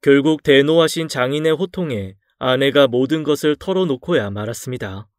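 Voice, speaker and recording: A man narrating a dramatized true story in a calm, confessional first-person way. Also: medium pitch, normal speed, no echo, clean studio sound.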